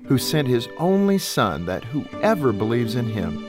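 A man giving an earnest, measured devotional Christmas reflection. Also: medium pitch, big pitch swings. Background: guitar music.

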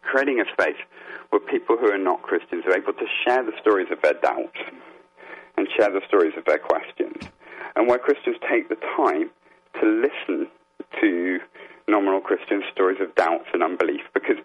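Deep, muffled man, resonant and earnest. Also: animated, normal speed, breathy edge. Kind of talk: explanatory interview talk. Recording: dull, muffled phone-like line.

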